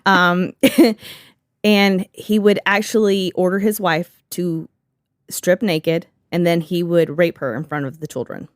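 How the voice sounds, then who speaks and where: A woman hosting a podcast in an easy, sarcastic chat, laughing often and swearing freely. Her voice sits a little low and the sound is dry and close to the mic. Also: steady tone, slow, no echo. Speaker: podcast host. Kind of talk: casual chat.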